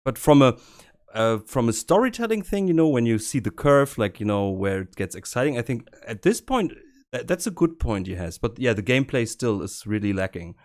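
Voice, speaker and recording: A man's voice: medium pitch, big pitch swings, fairly quick, darkish tone. A man with a German accent hosting a podcast, talking casually with frequent restarts. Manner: hesitant, many restarts and fillers. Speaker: podcast host. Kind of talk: casual discussion.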